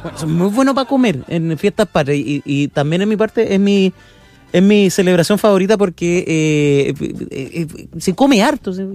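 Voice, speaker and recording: A man's voice: sits high, expressive, moderate pace. A Chilean man hosting a radio show, chatting casually with callers, joking and laughing. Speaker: radio host. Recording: loud music bed behind.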